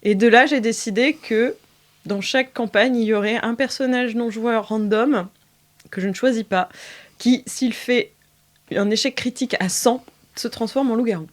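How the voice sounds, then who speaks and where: Narrating an improvised tabletop game as its game master, this woman speaks at a normal pace with a voice on the higher side. Her delivery is halting and full of filler noises, and she frequently breaks into laughter.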